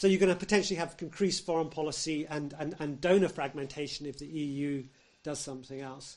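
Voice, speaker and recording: A man talks with a Scottish accent. His pitch varies in an ordinary way. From Scotland. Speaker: think tank researcher. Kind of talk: seminar presentation.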